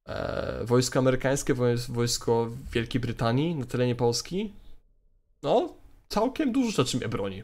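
Young man gaming, swearing outbursts. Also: mid-range voice. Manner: swearing, sudden loud frustrated outbursts. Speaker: gaming YouTuber. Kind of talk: let's play commentary.

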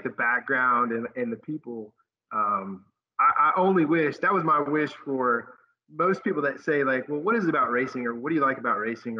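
A man, a race engineer, chatting casually in an interview in an upbeat, earnest way. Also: medium pitch. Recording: dull lo-fi sound.

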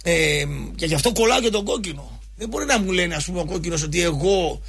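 A man's voice: sits high, creaky, a bit bright, slightly rough. A man hosting a sports show, delivering a rambling, emphatic football commentary monologue in colloquial talk full of restarts and mocking quotes.

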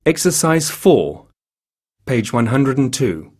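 Husky male track announcer. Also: mid-range voice, very animated, slow pace, darkish tone. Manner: plain, matter-of-fact.

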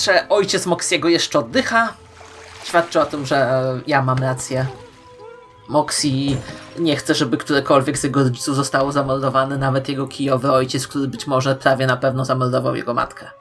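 A woman hosting online fan commentary, playful and emphatic, with dramatic pauses. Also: low-pitched. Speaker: YouTube host. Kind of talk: scripted fan-theory commentary to viewers.

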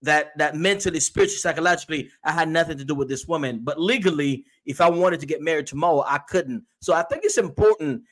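A middle-aged man from Haiti, a guest and emotional health coach, chatting earnestly on a video call. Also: fairly high pitch. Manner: earnest, animated storyteller. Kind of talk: casual chat on a video call. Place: small room at home. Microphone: video call webcam.

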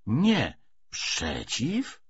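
A man narrating an audiobook, reading a novel's dialogue dramatically in a slightly husky voice. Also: medium pitch, wildly swooping pitch, drawn-out words, no echo. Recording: dull lo-fi audiobook recording.

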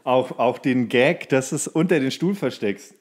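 A man in his thirties co-hosting a podcast in relaxed, informal conversation. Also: medium pitch, measured pace. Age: 30s. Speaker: podcast co-host. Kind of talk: casual chat.

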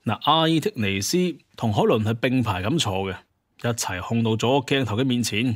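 A man's voice: mid-range voice, lively intonation, brisk, slightly rough. A man with a Cantonese accent narrates a scripted, dramatized adventure story. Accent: Hong Kong or Guangdong Cantonese. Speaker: audiobook narrator.

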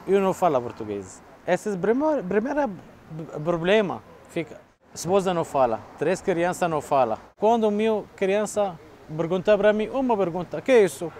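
Man in his thirties, halting speech. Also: fairly high pitch, dark tone, slight background noise. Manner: simple, halting non-native speech. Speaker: refugee interviewee. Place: restaurant. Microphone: lapel.

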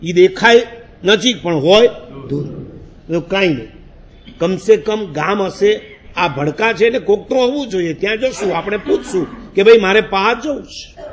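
A man's voice: high voice, a little hiss or hum. A man, a Jain monk telling a story in a sermon, acting out his own past words and laughing as he goes.

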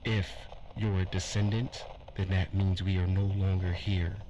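An actor playing a weary, earnest survivor recording a grave, halting log in a post-apocalyptic audio drama. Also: male voice, sits low, flat delivery, highs cut off. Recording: noisy ambience behind the voice.

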